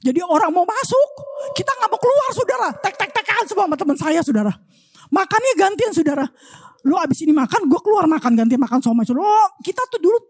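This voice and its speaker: A woman's voice: very high voice, dry recording, clean studio sound. A woman preaching a sermon in church, talking animatedly and calling out to the congregation again and again. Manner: animated, addresses congregation as "Saudara" constantly.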